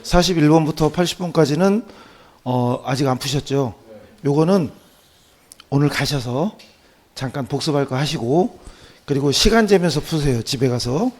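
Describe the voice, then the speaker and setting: A man with a voice hoarse from a cold, teaching an accounting class through practice questions with short check-in questions. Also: on the high side, moderate pace. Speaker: accounting exam lecturer.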